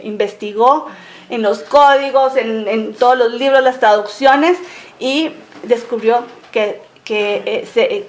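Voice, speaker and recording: A woman leads a relaxed Bible study, talking in a chatty, laughing way with plenty of fillers. Her voice sits high. It rings in an echoey room. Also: a little hiss or hum. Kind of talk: casual Bible study teaching.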